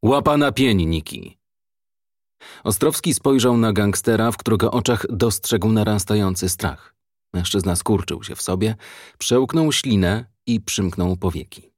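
A man narrating a crime novel as an audiobook reader, in a measured, even storytelling manner. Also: lowish voice, husky, no echo, studio quality.

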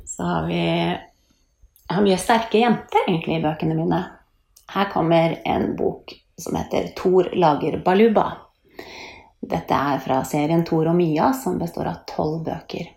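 A woman, a children's book author, chats in a lively way about her books and reads from them. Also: lowish voice, gravelly. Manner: lively, chatty, with little laughs. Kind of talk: presenting and reading her books. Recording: echoey room.

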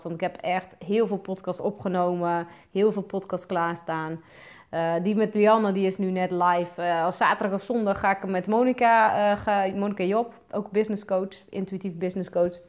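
A woman's voice: fairly low pitch, fairly even intonation, moderate pace. A woman with a Brabant accent, a business coach chatting casually on a livestream, full of fillers and casual swearing. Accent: Brabant Dutch. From Netherlands, North Brabant. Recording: slightly dull lo-fi sound.

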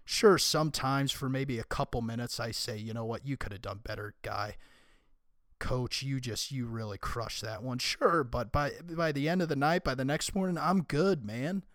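Raspy, hoarse man hosting a podcast. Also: medium pitch, moderate pace, a bit bright, no echo, studio quality. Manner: opinionated, conversational, emphatic. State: hoarse from screaming and illness. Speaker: podcast host. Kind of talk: casual solo podcast monologue.

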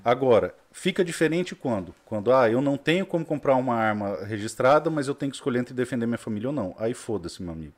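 As a guest in a casual chat, a man with a Brazilian Portuguese accent tells animated stories, blunt and swearing freely. His voice is mid-range, and he talks fast with hardly any pauses.

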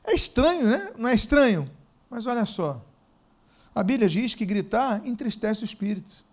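A man with a high voice preaches a sermon. He questions the congregation often and swings between quiet, slowed emphasis and sudden loud bursts. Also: very animated.

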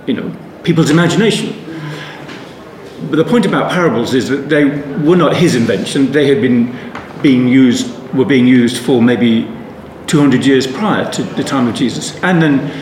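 A man's voice: medium pitch, moderate pace, darkish tone. Man teaching Bible study, echoey room. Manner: rambling, thoughtful, frequent restarts and asides. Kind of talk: unscripted Bible study talk. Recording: echoey room with faint ambient noise.

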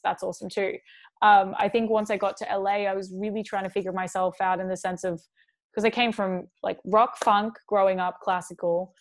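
Chatty young woman singer talking shop. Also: medium pitch. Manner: chatty, many "like" and "um" fillers, quotes herself. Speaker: singer, interview guest. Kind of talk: casual interview chat.

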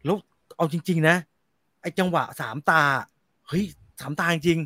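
High-pitched guy hosting a movie chat show, slangy and blunt, dry close sound. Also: moderate pace, no room sound. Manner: animated, slangy and blunt, reads viewer comments. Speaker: film review show host. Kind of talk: casual film review chat.

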